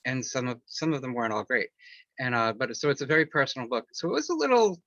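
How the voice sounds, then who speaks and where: A man, an author and interview guest, answers quickly and expressively in a mid-range, fairly bright voice. He rambles candidly about personal matters with many fillers and restarts, captured in a dry, dull lo-fi recording.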